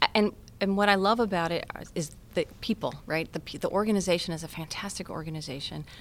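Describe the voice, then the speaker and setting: Very clean recording with a silent background captures speech at a very fast pace. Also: woman, medium pitch for a woman, ordinary pitch variation. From US Midwest, Chicago suburbs. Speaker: space agency director. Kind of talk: interview.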